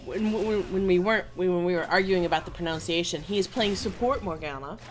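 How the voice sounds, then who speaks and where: A woman's voice: fairly low pitch, fast talker, faint music behind. A woman co-casting a video game match, laughing often and bantering playfully. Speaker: esports caster. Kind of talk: live game commentary.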